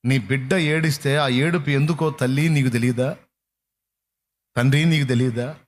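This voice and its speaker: A man's voice: mid-range voice, steady tone, normal speed. A man preaching a sermon as pastor, repeating phrases and acting out prayers and dialogue. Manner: fervent preaching with repetition and quoted prayers. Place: church service.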